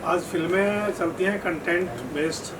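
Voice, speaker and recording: A man's voice: high-pitched, a little slow. A man giving unscripted remarks at a press event, often repeating his words and phrases. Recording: distant mic, noisy room.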